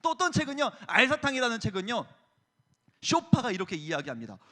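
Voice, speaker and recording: A man in his thirties, a youth pastor giving a lively sermon to high school students and acting out story voices as he tells them. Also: fairly quick. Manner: animated storyteller, acts out voices.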